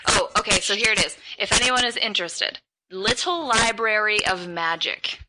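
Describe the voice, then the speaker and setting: A woman co-hosting a podcast, chatting casually and rambling in quick bursts. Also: mid-range voice, expressive, very noisy. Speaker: podcast co-host. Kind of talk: casual chat.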